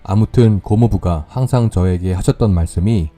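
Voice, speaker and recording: A man calmly narrating scripted horror stories in a measured, storytelling way. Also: lowish voice, faint music behind.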